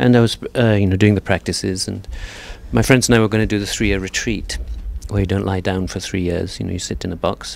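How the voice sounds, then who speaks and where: Talking at a very fast pace, a man with a fairly low pitch shows vocal fry. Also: ordinary pitch variation. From Wales. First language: Welsh. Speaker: Tibetan translator and author. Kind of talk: interview.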